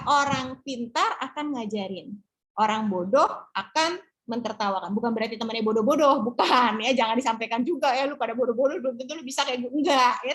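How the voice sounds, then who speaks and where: A middle-aged woman trainer talking through a student's question in an online class. Her voice sits high, and she keeps things encouraging, tagging "ya" onto her sentences as she explains. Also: fairly bright tone. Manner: encouraging, peppers speech with "ya". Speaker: public speaking trainer.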